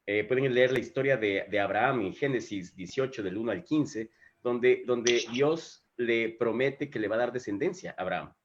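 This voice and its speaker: A man's voice: medium pitch, moderate pace, dull audio, slight background noise. Earnest man telling a faith story. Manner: earnest, animated storyteller with many restarts. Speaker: host of a live faith talk. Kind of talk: casual spiritual conversation. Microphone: video call microphone.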